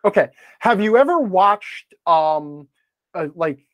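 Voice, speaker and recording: A middle-aged man debating conversationally as a podcast guest, assertive and quick to interject with pointed questions. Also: sits high, big pitch swings, no room sound. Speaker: podcast guest, game-advice blogger.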